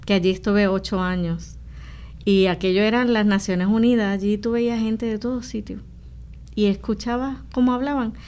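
Speaking at a moderate pace, a woman from Puerto Rico shares her testimony as a missionary guest in a conversational interview, talking earnestly and explaining as she goes. Her medium-pitched voice is steady, darkish, and clean.

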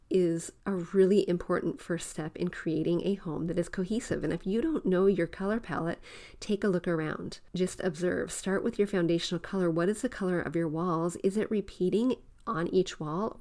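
A woman's voice: fairly low pitch, darkish tone. A woman hosting a home decorating podcast, explaining design ideas step by step and repeating her key points. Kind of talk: instructive podcast talk.

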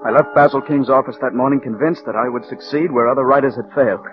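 An actor playing a bitter scriptwriter narrating. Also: male voice, medium pitch, steady tone, fast, lightly acted. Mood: brooding. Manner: brooding first-person narration. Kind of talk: 1940s radio drama narration. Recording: dull old radio broadcast with music.

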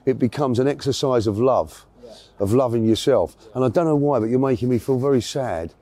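A man's voice: mid-range voice, brisk, warm tone. A middle-aged man with a South London accent, chatting casually as an interview guest and telling stories in an effusive, affectionate way, repeating phrases for emphasis. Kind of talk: casual anecdotal chat.

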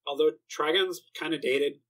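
A man's voice: fairly high pitch, steady tone, normal speed, a bit bright, poor audio. A young man rambling casually about anime, swearing often and filling gaps with "like" and "uh". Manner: rambling, profane, frequent fillers. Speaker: anime fan. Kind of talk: casual monologue.

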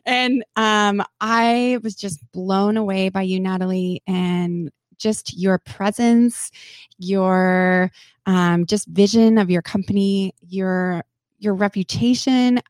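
A woman's voice: mid-range voice, slow pace, no echo, clean studio sound. A woman hosting an interview in a casual chat, full of fillers and restarts. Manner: warm praise, many fillers and restarts. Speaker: podcast host and business owner.

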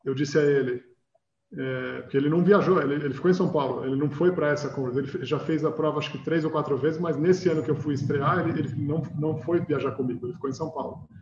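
An earnest man from Brazil answers at a measured pace, his voice a touch high. The sound is roomy and muffled, like a remote call, with a faint hum underneath. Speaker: guest, marathon runner. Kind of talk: casual interview answers.

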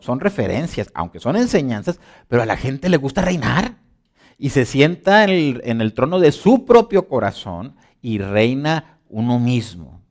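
A man delivering a sermon in a conversational way, leaning on rhetorical questions. He switches between loud emphatic bursts and soft, low asides, and he often restarts his phrases and repeats words. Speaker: preacher.

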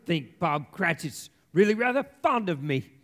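A man playing an old miser, uneasy and pleading, with halting, anxious speech in a live stage radio play. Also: high-pitched, big pitch swings, a bit bright, heavily acted. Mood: guarded. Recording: live stage recording in reverberant hall.

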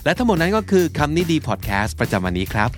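A man co-hosts a vocabulary podcast teaching English words, explaining them in Thai and mixing in English terms in a casual, explanatory chat. His voice is on the high side with wildly swooping pitch and a rapid-fire pace, and faint music plays behind him.

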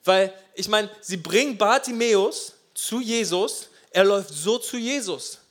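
A man preaching a sermon as pastor, passionate and emphatic, with swings between loud urgency and quiet asides. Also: high voice, unhurried.

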